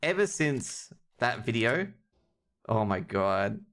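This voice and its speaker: A man with a medium-pitched, fairly bright voice speaks slowly in a sing-song way. He provides laid-back, joking live commentary on an esports game while chatting informally with viewers. The recording has clear background noise and clicks.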